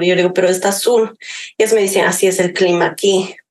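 Speaking very fast, a woman uses a medium pitch. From Bolivia. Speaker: podcast guest with gift of intuition. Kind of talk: casual interview chat.

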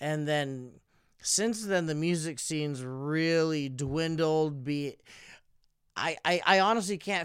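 An unremarkable speaking voice comes through with an American accent at a fairly slow pace. The recording is very clean with a silent background, and pitch variation is ordinary. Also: man. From US West Coast (Santa Maria, California). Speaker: comedian. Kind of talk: casual chat.

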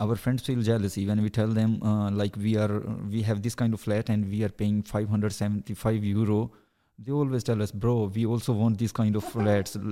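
A man talks at a moderate pace in a dark, mellow tone, flat and monotone, his loudness very even throughout. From Punjab, India. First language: Punjabi. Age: 20s. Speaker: food delivery courier, immigrant worker. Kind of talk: casual interview chat. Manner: halting, non-fluent English.

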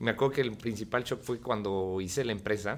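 The speaker has a normal speaking voice with ordinary pitch variation. The recording is very clean, with a silent background. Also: man. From Mexico City. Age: 30s. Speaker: entrepreneur. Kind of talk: casual interview. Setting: his place of business.

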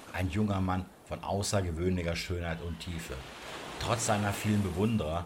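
Here is a man with a very deep, low pitch. He keeps a moderate pace and ordinary pitch variation. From Paphos, Cyprus (currently based). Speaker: spiritual podcast host and soul coach. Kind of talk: fairy tale narration, scripted storytelling read aloud. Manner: calm, measured storyteller pace with a soothing, dreamy, mystical tone.

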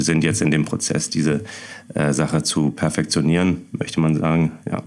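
A man with a very deep, low voice speaks at a moderate pace in a flat monotone, with noticeable background noise behind him. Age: 40s. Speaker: magician and comedian. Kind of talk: casual chat. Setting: remote call.

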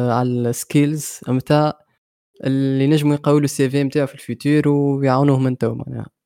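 At a moderate pace, the fairly even voice comes through dry and close, with no echo. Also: man. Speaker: podcast host. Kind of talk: casual online discussion. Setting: online call.

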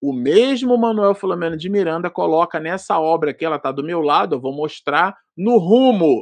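This man has a normal speaking voice, fairly high for a man, with lively intonation at a moderate pace. The sound is dry and close, with no echo. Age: 40s. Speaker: spiritist study leader. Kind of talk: lecture. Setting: livestream.

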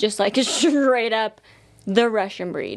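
A woman speaks in a plain, everyday voice at a moderate pace, her fairly high pitch moving with ordinary variation. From Colorado, US. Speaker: podcast crew member and co-host. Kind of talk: casual chat.

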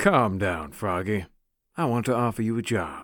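A man uses a raspy, put-on character voice with a fairly low pitch and ordinary pitch variation. He speaks at a moderate pace in a very clean recording with a silent background. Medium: read story.

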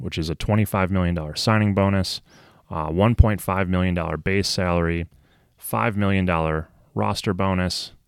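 The recording is very clean, with a silent background. A man speaks with a very deep, low pitch. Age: 30s. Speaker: sports contract analyst podcast host. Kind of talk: solo podcast analysis.

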